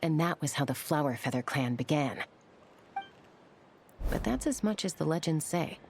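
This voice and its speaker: An actress playing a steady tribal woman in a video game, recounting her people's legend in a grounded way. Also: low-pitched, normal speed, vocal fry, slight background noise. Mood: solemn, recounting. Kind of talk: video game dialogue, storytelling.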